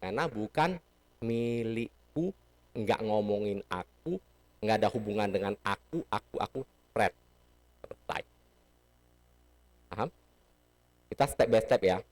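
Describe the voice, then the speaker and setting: A man's voice: lowish voice, animated, a little slow, pauses often, darkish tone. A man giving a casual Buddhist sermon in a temple hall, teaching playfully and asking the audience questions. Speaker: Buddhist dharma speaker.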